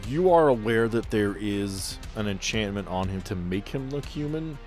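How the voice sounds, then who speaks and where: A man's voice: fairly low pitch, lively intonation, normal speed, a little mellow, soft background music. A man working as game master, narrating a tabletop roleplaying game in conversation with players.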